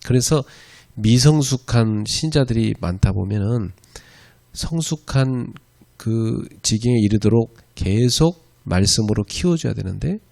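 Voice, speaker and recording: A pastor teaching an evangelism school preaches at a church in a conversational manner, frequently checking in with listeners using "예" and "그죠?" asides. His voice sits on the low side and is expressive and mellow, with vocal fry and a measured pace.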